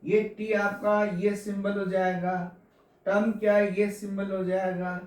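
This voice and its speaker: A man teaching English literature for exams, explaining slowly and repeating key points to his students. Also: sits high, flat delivery. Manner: slow, repetitive explaining, addresses students as kids. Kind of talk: exam coaching lecture. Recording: echoey room.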